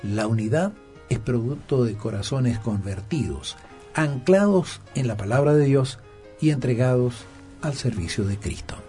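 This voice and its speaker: A man's voice: medium pitch, animated, unhurried, dark tone, soft background music. A man co-hosting a Bible study program, speaking earnestly and emphatically, with fillers and repeated words. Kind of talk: conversational Bible study dialogue.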